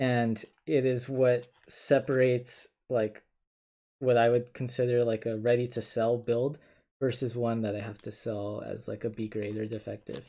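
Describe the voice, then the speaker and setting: The voice has a dark, mellow tone. Its intonation is monotone and flat. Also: man, medium pitch for a man, moderate pace, very clean recording, silent background. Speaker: game console modder and streamer. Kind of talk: live tutorial stream.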